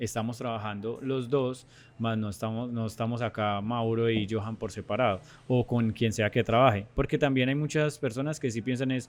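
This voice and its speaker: Speaking with a Tolima accent, a man talks at medium pitch and moderate pace with ordinary pitch variation. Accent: Tolima Colombian accent, noticeable. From Colombia, Tolima (Ibagué). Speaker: stand-up comedian. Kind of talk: podcast interview.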